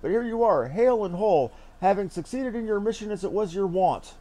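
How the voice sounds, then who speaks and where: A man's voice: high-pitched, lively intonation, a little fast, warm tone, voice pushed up. A man voicing a formal, courteous young noble commander from a fantasy game, with eloquent old-fashioned diction. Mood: relieved, grateful. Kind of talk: reading fantasy game dialogue aloud in character.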